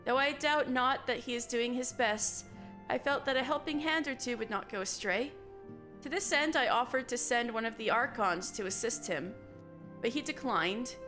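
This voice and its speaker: A woman reading the part of a calm, formal woman leader, in a measured, formal manner. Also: fairly high pitch, soft background music. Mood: grave counsel.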